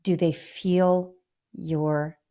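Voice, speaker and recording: A woman's voice: fairly low pitch, flat delivery, extremely slow, warm tone. A woman co-hosting a podcast, talking in a reflective, conversational way. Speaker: podcast co-host.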